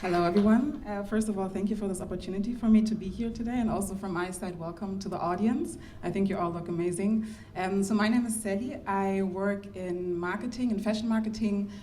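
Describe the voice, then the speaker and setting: A woman working in marketing, introducing herself on a live podcast panel in a polite, measured way. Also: medium pitch, mellow, a little hiss or hum.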